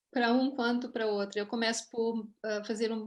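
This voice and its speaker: A woman with a Brazilian accent speaks at a fairly high pitch. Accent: soft Brazilian. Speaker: photographer. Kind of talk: presentation. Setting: video call. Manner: halting.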